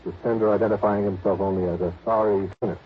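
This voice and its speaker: A man's voice: fairly low pitch, fairly even intonation, quick pace, natural voice. An actor playing an earnest, fussy male insurance manager in a 1950s radio drama, businesslike and emphatic. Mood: explaining. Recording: dull vintage radio recording, faint noise.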